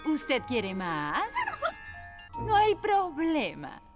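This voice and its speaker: A woman's voice: high-pitched, wildly swooping pitch, very slow, full character voice. A woman voicing a bossy, overconfident fairy nanny in a children's cartoon, with a Latin American Spanish accent and a fussy, theatrical delivery. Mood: confident, showy. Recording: music behind the voice.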